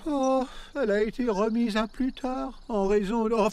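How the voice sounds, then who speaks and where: A man voicing a polite, fussy, easily dismayed gentleman centipede in a French cartoon dub, with pompous, flowery, apologetic speech. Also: extremely high pitch, fairly even intonation, moderate pace, over music. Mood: apologetic, ashamed.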